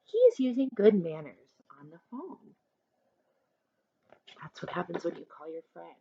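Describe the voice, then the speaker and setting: A woman teacher reading aloud to children, adding chatty instructive asides in an expressive manner. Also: on the low side, measured pace, creaky, dull audio, slight background noise. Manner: expressive, instructive, acts out short examples.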